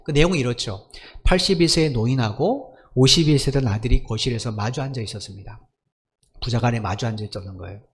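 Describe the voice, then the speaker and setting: 남자 목사의 힘주어 말하는 주일 설교. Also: male voice, mid-range voice, fast. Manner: emphatic, asks the congregation rhetorical questions. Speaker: pastor. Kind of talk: Sunday sermon.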